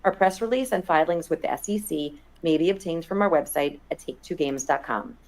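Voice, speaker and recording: A woman's voice: sits low, fairly quick, a little mellow. A woman executive in investor relations, reading a formal scripted statement on an earnings conference call.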